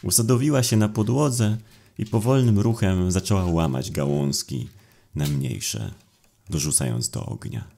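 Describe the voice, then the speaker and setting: A man narrating a dark audio drama in a brooding, dramatic way with deliberate pauses. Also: deep voice, creaky. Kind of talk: dramatic scripted horror narration.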